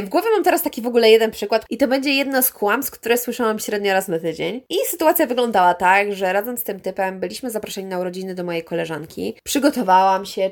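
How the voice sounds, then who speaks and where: A woman in her twenties telling viewers a personal story in a candid, chatty way, often turning to address them directly. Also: medium pitch. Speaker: vlogger.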